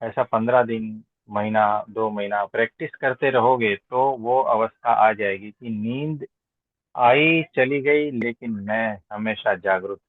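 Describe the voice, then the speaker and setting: A man's voice: lowish voice, a little slow. A man speaking as a spiritual teacher in an informal question-and-answer discourse, didactic, with emphatic repetition and rhetorical questions. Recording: roomy echo, thin phone-like sound.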